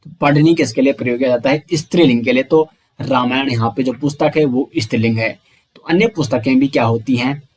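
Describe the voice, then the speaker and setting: A man's voice: medium pitch, a little fast. A man teaching an exam-prep Hindi grammar lesson, asking questions and answering them himself, speaking to his viewers as friends.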